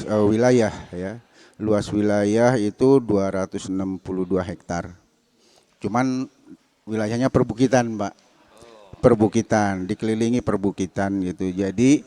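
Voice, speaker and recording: A middle-aged man, a village head answering as a talk show guest, halting and repeating his phrases. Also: on the low side, warm tone. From Kuningan, West Java. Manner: halting, repeats phrases, says "Pak" often.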